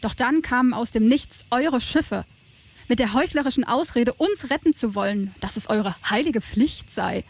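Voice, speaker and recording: Audio drama role: woman as fearless tribal helper, direct, caring, defiant, fairly high-pitched. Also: lively intonation, normal speed. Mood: impassioned, reproachful. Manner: direct, teasing, impassioned.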